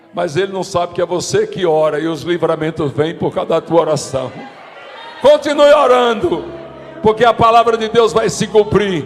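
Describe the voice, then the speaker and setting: Over noticeable background noise, a man with a high pitch talks at a moderate pace in an animated tone, his pitch swinging very widely. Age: 60s. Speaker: pastor. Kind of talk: sermon. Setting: church.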